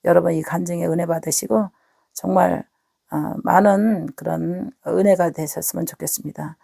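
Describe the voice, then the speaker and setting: A middle-aged woman pastor, hoarse from a cold, giving an earnest spoken testimony straight to her listeners. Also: lowish voice, fairly even intonation, moderate pace, mellow, no echo. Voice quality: husky, gravelly. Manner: earnest, repeats words, talks to listeners directly. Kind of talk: spoken testimony to online viewers.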